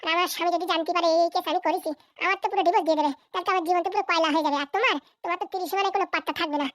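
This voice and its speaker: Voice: very high-pitched, fairly even intonation, very fast, a bit bright, no echo, studio quality. A performer voicing a ruthless, ambitious, bossy wife and mother in a Bangla comedy cartoon, scheming coldly.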